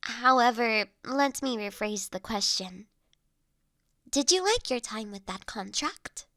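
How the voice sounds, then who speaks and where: A woman playing a gentle, courteous young noblewoman who looks after the listener in an intimate roleplay audio drama, with soft, formal, old-fashioned phrasing. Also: on the high side, lively intonation, slow pace, dry recording, studio quality, exaggerated voice. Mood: polite, curious. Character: gentle, courteous young noblewoman, doting new master of an automaton.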